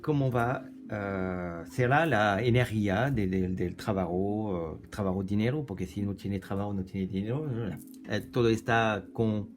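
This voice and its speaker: This is a man with a French accent and a fairly low voice, giving a casual tarot card reading. He halts and searches for words, restarts often, and slips in French filler words.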